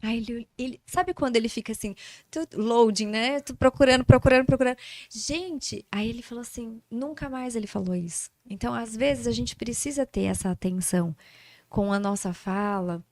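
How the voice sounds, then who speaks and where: A woman, a speech therapist speaking as a podcast guest in a lively storytelling manner, acting out dialogue as she talks. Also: on the high side, normal speed, no echo. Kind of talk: casual podcast interview.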